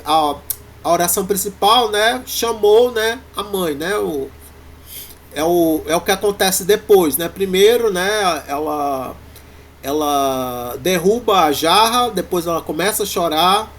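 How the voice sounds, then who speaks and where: A man with a Brazilian Portuguese accent, teaching a university Greek class in a halting way, full of fillers and restarts. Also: high-pitched. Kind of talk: classroom lecture.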